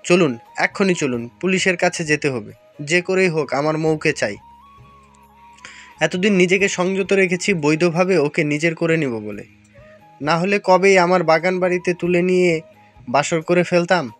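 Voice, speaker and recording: A man's voice: sits high, normal speed, faint music behind, close to an everyday voice. A man voicing a possessive scheming young fiancé. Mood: demanding. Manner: demanding, forceful.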